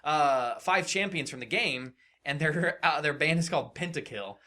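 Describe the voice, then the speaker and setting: A man's voice: fairly high pitch, expressive, normal speed, bright, forceful tone. A man hosting a casual gaming podcast, bantering with friends and swearing freely as he jokes. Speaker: podcast host.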